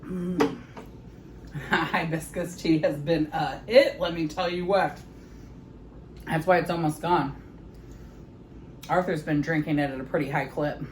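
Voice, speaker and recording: A woman in her thirties chatting casually in her home kitchen as she tastes her food, often pausing to savor it with soft hums. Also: low-pitched, fairly even intonation, slight background noise, rough recording. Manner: chatty, savoring bites with frequent mm sounds. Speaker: home cooking vlogger. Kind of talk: casual chat while tasting food.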